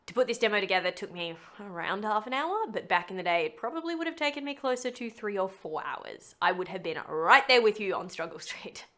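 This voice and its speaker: A woman hosting a voice-over tutorial, explaining things to viewers in a chatty, expressive, emphatic way. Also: on the low side.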